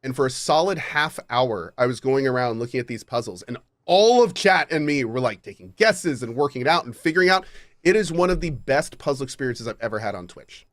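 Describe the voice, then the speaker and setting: A man's voice: medium pitch, lively intonation, no echo. Keen male streamer, dry close sound. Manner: enthusiastic, quick affirmations. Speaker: streamer, podcast co-host. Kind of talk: casual gaming podcast chat.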